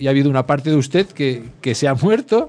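The speaker is a man with an unremarkable speaking voice. He has medium pitch and ordinary pitch variation. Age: 60s. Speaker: author. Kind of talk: interview.

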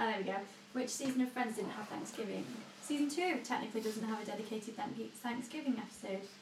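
A woman at a very fast pace and a fairly high pitch, with ordinary pitch variation, audible room echo, and noticeable background noise. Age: 30s. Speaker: podcast co-host. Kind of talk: casual chat.

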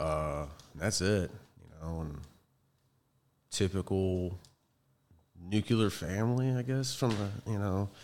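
This man with an American accent talks at a very slow pace, with long, frequent pauses and big swings in loudness. His pitch is fairly low and varies in an ordinary way, on a very clean recording with a silent background. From US Midwest (Youngstown, Northeast Ohio). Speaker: massage therapist. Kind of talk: casual chat.

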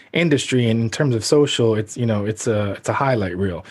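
At a fairly quick pace, a man speaks in an ordinary speaking voice with a medium pitch and ordinary pitch variation. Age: 30s. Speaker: podcast host. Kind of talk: casual interview.

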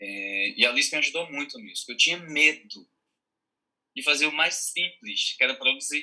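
Using a bright, sharp tone, a man speaks at a fairly high pitch. His pace is moderate and his intonation lively. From Paraíba, Brazil (Brejo interior). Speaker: actor and writer. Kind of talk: interview.

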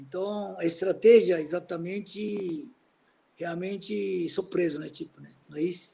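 Speaking at a fairly slow pace, a man with a high pitch and ordinary pitch variation shows big swings in loudness. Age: 70s. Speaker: karate master. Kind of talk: interview. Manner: halting.

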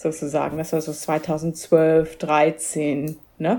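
A woman with an English accent speaks in a dark, mellow tone. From England, London. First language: English (speaking German). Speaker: book editor and counselor for victims of racist violence. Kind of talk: interview conversation.

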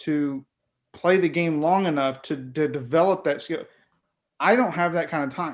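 Over a quiet background, a man speaks at a fairly high pitch with ordinary pitch variation. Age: 40s. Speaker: podcast co-host. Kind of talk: casual chat.

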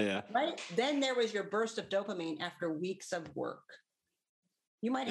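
A woman with an American accent, medium in pitch, at a moderate pace, with lively intonation and an animated tone. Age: 40s. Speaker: doctor specializing in brain and mental health. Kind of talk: interview conversation.

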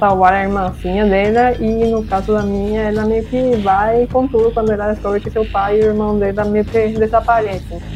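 Woman at medium pitch, moderate pace, monotone and flat, with noticeable background noise. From Paraguay. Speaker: writer. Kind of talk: interview.

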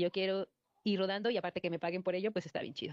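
A woman at medium pitch with fairly even intonation, in a dry, close sound with no echo. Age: 30s. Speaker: bicycle courier. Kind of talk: recorded interview testimony.

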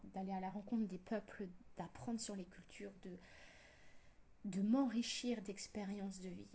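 A woman's medium-pitched voice comes out somewhat breathy, her intonation fairly even. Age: 20s. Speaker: podcast host. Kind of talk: personal monologue. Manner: hesitant, many fillers.

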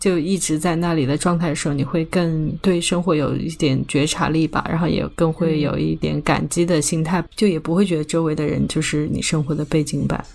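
Over noticeable background noise, a woman with a very deep, low voice speaks at a fairly quick pace in a monotone, flat way, with hardly any pauses. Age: 20s. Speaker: podcast co-host. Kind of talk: casual chat.

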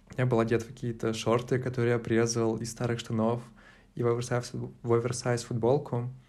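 This man speaks at a medium pitch in a flat monotone. His pace is fairly quick. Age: 20s. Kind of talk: recorded monologue answering questions.

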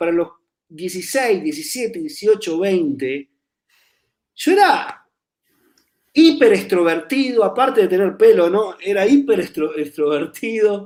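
Lively in intonation, a man speaks at a very slow pace with a high pitch. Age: 40s. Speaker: pastor and businessman. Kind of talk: casual interview chat.

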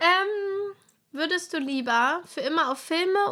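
A woman speaks at a fairly slow pace in a bright, sharp tone. Her intonation is lively. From rural Germany, village. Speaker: podcast co-host. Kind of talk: casual chat.

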